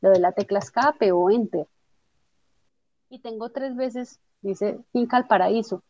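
A woman teaching a software tutorial step by step, patiently checking that her student follows along. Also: mid-range voice, a little slow, dry recording. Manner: patient, explanatory, checks understanding with tag questions. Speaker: instructor. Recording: dull lo-fi dry audio.

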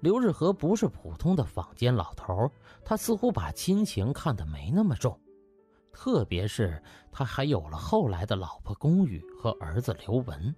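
A man's voice: medium pitch, huge pitch swings, normal speed, dark tone, breathy edge, faint music behind. A man narrating a novel as a dramatised audiobook.

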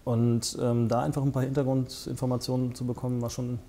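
This interview guest is a man in his forties from northern Germany who founded a festival, speaking into a lapel mic on a small studio set furnished with armchairs. The conversational exchange finds him brisk and flat, his mid-range voice dark in tone. He hesitates a lot, with frequent fillers and restarts.

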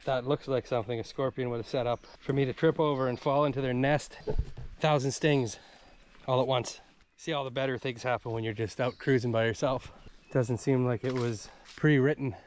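A man's voice: mid-range voice, fairly even intonation, normal speed, slight background noise. A male travel vlogger talking casually and joking to himself while hiking outdoors in a rainforest, recorded on a handheld camera. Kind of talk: casual solo travel vlog narration.

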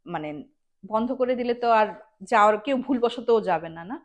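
An old village healer from a spoken ghost story, voiced by a woman storyteller, cautioning insistently and repeating the warning. The voice is fairly high, with a brisk flow. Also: close to an everyday voice. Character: old local folk healer giving grave warnings.

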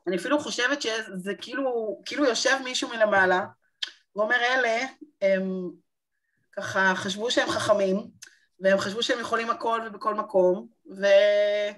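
A woman participant answering a question on a video call, speaking in a measured, reflective way. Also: mid-range voice, steady tone, fairly bright tone. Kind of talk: discussion reply.

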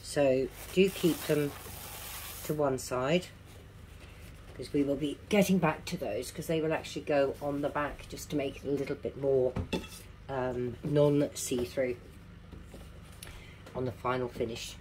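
Low-voiced, slow-talking toothless woman. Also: fairly even intonation, a little mellow, a little hiss or hum, rough recording. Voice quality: toothless, slightly slurred articulation. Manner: instructive, repeating key steps. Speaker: craft tutorial presenter. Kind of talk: casual step-by-step craft demonstration. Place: indoors at a home craft table.

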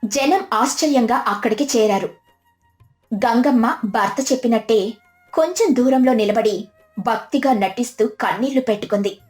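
Higher-voiced woman narrating a story. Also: normal speed, a little mellow. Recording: music behind the voice.

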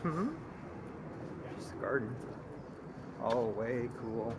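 A man's voice: medium pitch, slow, heavy background noise. A man in his forties chatting casually as he walks outdoors with his son, filming on a camera held at arm's length, asking questions and wondering aloud. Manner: relaxed, wondering aloud, asks many questions. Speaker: father filming a walking tour. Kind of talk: casual chat while walking. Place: outdoors on a sunny city plaza with metal walls and gardens. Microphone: 360 camera on a stick at arm's length.

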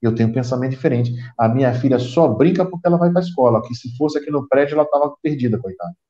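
Fast and expressive, this man's medium-pitched voice has a warm tone. He's a middle-aged Brazilian guest chatting casually over video, with a Brazilian Portuguese accent, giving long explanations with frequent restarts through roomy, dull call audio.

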